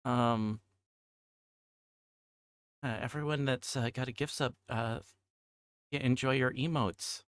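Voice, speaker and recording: A man hosts a casual livestream at an unhurried pace. He repeats himself and trails between thoughts in a mid-pitched voice, recorded dry with little room sound. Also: steady tone, no room sound. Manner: halting, repetitive, scattered delivery.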